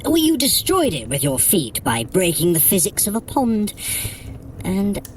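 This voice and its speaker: A woman's voice: medium pitch, huge pitch swings, a little slow, slight background noise, poor audio. A woman playing a sly, haughty trickster deity in an audio adventure workout, with an arch, droll, condescending delivery. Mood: arch, commanding. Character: sly, haughty trickster deity guiding a mortal through a heist. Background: music.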